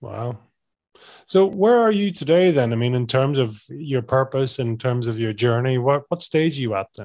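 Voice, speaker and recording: Speaking at a moderate pace with lively intonation, a man with a medium pitch and an Irish accent is captured on a very clean recording with a silent background. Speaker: podcast host. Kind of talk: interview conversation.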